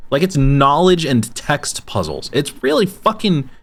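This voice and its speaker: A man's voice: fairly high pitch, big pitch swings, unhurried, loud music behind the voice. A man with a Texas accent commentating casually on a game, tired and rambling, swearing now and then. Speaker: gaming streamer. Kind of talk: casual let's-play commentary.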